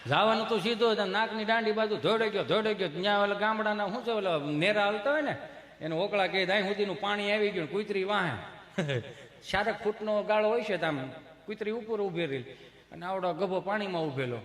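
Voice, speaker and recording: A man with a Kathiawadi Gujarati accent telling a comic folk story on stage in a lively, chatty way, laughing along with the crowd. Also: high voice, a little fast. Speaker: stand-up comedian. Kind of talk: live folk comedy storytelling. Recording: echoey live hall recording.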